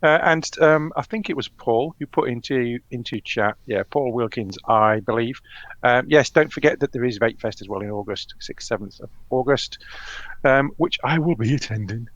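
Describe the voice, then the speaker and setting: A man's voice: medium pitch, moderate pace, fairly bright tone, no echo. A man hosting a live-stream show, chatting casually and rambling with many ums. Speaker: host. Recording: dull lo-fi dry sound.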